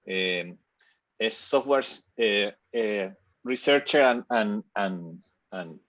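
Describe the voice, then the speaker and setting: A man's voice: lowish voice, extremely slow, a bit bright, no room sound. Hesitant man hosting online. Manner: hesitant, many fillers and restarts. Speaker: host. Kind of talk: introducing a guest at an online seminar. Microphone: video call. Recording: dry, muffled video call audio.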